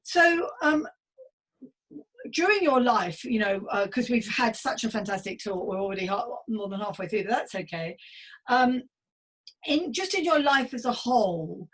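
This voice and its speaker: A woman's voice: a little high, lively intonation, moderate pace, fairly bright tone, husky, low-quality recording. A middle-aged woman hosting a podcast chat, talking in an effusive, encouraging, rambling way. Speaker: podcast host. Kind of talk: enthusiastic casual interview chat.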